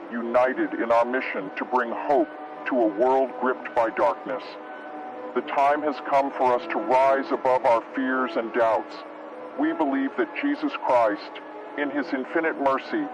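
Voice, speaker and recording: A man's voice: mid-range voice, lightly acted. A man playing the devout leader of an apocalyptic Christian group, making a solemn, earnest proclamation. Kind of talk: scripted solemn rallying proclamation. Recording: dull lo-fi radio sound, loud music.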